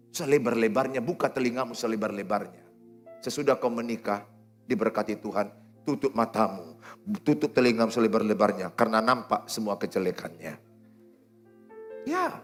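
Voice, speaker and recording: A middle-aged man preaching a sermon, swinging between loud exhortations and quiet, low asides. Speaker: pastor. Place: church hall with congregation.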